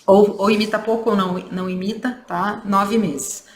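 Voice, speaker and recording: A woman's voice: medium pitch, steady tone, moderate pace. A woman clinician giving a training lecture, explaining points and checking in with tag questions. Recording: echoey room with faint ambience.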